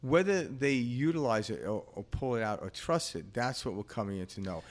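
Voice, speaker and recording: Co-hosting a laid-back podcast about spiritual matters, a man in his fifties talks quickly with lively intonation in a mid-range voice. His reflections meander, dotted with fillers and ready laughter.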